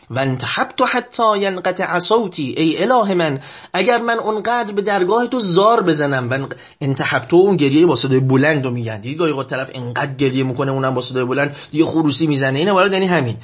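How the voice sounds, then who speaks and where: Husky, high-voiced man preaching. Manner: slow, drawn-out chanting of Arabic lines, then quicker plain explanation; often urges listeners to pay attention. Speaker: religious lecturer. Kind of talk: sermon explaining Arabic prayers.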